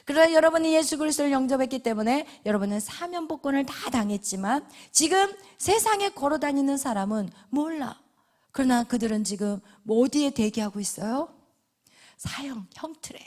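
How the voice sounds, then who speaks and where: A woman pastor delivers a sermon in a high-pitched voice. She questions her listeners and drops to a hushed whisper for the answers. In between she swells to emphatic, forceful peaks. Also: animated, brisk. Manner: asks the congregation questions, then answers them in a hushed whisper; emphatic, with sudden loud rises.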